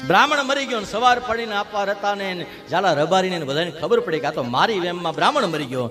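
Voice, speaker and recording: A man telling a devotional story as a sermon, dramatic and lively. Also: high voice, fast talker, music in the background. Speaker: religious storyteller.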